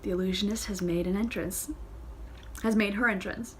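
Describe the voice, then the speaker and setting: A woman's voice: medium pitch, steady tone, moderate pace, a little hiss or hum. Woman reading a novel aloud, chatty. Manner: reads with fillers, self-corrections and playful side comments. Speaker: audiobook reader. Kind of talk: casual read-aloud of a novel with asides.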